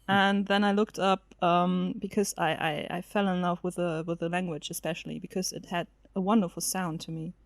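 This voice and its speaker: A woman's voice: fairly low pitch, flat delivery, brisk, few pauses, no room sound. German-native woman chatting on a podcast, giggles a lot, lots of ums, dry close sound. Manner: chatty, laughs often, hesitant fillers. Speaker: featured guest. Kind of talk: casual podcast interview.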